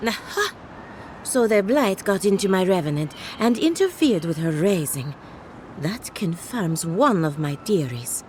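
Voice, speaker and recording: Morbidly cheerful female necromancer, fantasy game. Wry, theatrical, lively intonation, slight background noise. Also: mid-range voice. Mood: coaxing, intrigued. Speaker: game character. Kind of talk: scripted video game dialogue.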